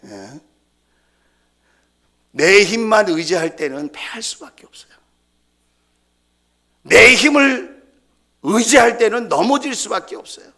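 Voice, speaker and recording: A male senior pastor preaching a prayer-meeting sermon in a church, driving points home with repeated phrases and swinging from shouted calls to hushed near-whispers. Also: high-pitched, animated, slow pace, pauses often. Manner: emphatic, repeats phrases in rising waves. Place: church sanctuary.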